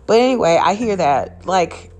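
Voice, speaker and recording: A woman's voice: fairly low pitch, lively intonation, moderate pace, darkish tone. A woman hosting a casual solo podcast, chatting in a rambling way with many fillers and restarts. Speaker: podcast host.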